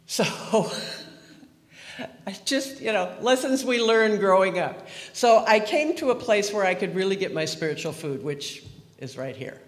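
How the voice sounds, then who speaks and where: A man's voice: high voice, animated, unhurried. A man around seventy from the Pacific Northwest of the US, giving a chatty, humorous personal testimony with wandering restarts. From Pacific Northwest, USA. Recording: echoey hall with long reverb.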